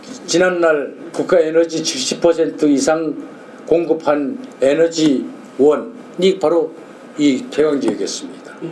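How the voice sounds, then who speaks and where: Over noticeable background noise, a man talks at a very slow pace in a fairly high pitch, his intonation lively. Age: 60s. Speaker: politician, former provincial governor. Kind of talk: press conference statement.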